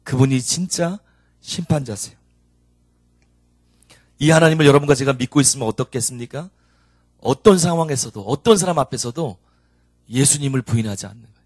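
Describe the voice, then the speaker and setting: A man's voice: mid-range voice, fairly quick, long pauses, no echo, clean studio sound. A male pastor preaching an expository sermon, building up emphasis through repeated rhetorical questions. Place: church.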